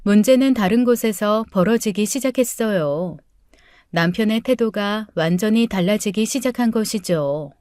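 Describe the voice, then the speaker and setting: A middle-aged woman reading a first-person life story as an audiobook, in a measured, earnest tone. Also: mid-range voice, a little mellow, no echo, clean studio sound. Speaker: story narrator.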